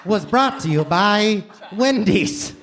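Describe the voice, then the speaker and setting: A man's voice: high voice, lively intonation, slow pace, over a noisy crowd. A man performing a mock sponsor read with exaggerated enthusiasm in a live staged radio comedy. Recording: noisy live theater stage recording.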